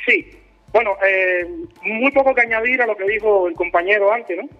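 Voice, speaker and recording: High-voiced Cuban man calling in. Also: moderate pace. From Cuba. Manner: earnest, steady argumentative explaining. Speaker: caller. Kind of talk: phone-in call. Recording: muffled phone-in with faint music.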